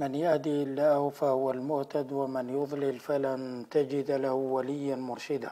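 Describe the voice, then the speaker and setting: Speaking very slowly with hardly any pauses, a man with an Algerian accent has a fairly high pitch and a dark, mellow tone. His intonation is monotone and flat. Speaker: religious preacher. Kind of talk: religious sermon.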